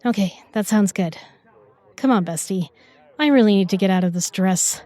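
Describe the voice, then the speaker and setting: A young, supportive best friend played by a woman in a fantasy audio drama. Her voice is mellow and medium in pitch, and she talks in a casual, upbeat, friendly way. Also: normal speed, dry recording, lightly acted.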